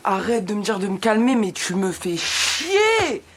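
An actress playing a volatile, outspoken young woman who shouts at her partner in a film scene. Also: mid-range voice, big pitch swings, a little slow. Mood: exasperated. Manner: shouting, exasperated. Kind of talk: film dialogue. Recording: film soundtrack with noise behind.

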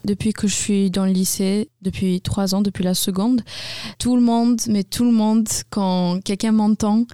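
A woman's voice: medium pitch, fairly even intonation, unhurried, warm tone, clean tone, no room sound. A teenage girl from Poland with a Polish accent, talking as a student guest in a chatty, emphatic way. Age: teens.

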